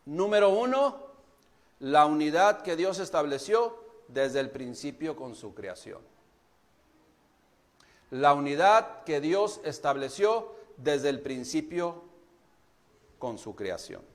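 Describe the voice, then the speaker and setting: A man's voice: a little high, very animated, takes it slowly, long pauses. A man with a Mexican Spanish accent preaching a sermon as pastor, speaking straight to the congregation. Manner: preaching, addresses the congregation directly.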